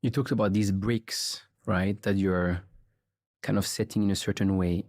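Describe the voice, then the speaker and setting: A man from Switzerland hosting a podcast, speaking in a relaxed, reflective way and asking long questions. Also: on the low side, normal speed, dry recording, studio quality. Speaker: podcast host. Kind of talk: interview conversation.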